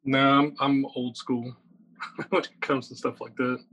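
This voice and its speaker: A man in his thirties from Virginia, talking as a guest in a casual interview, rambling and energetic with lots of fillers. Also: medium pitch, measured pace, slightly rough, rough recording. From Virginia, USA. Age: 30s. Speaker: guest, metal guitarist.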